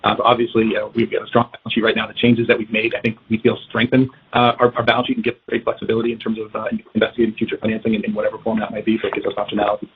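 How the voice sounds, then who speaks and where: A man's voice: on the low side, completely flat delivery, racing, hardly any pauses, husky. A man speaking as a finance executive answering questions on an earnings call, careful and stammering through restarts. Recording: tinny conference call phone line.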